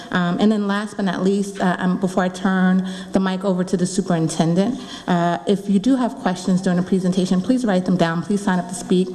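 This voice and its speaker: A woman's voice: fairly low pitch, mellow. A woman in her forties giving housekeeping announcements to an audience at a town hall meeting from a podium microphone. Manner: friendly, coaxing the audience. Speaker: school district community engagement officer. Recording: long reverb of a meeting room.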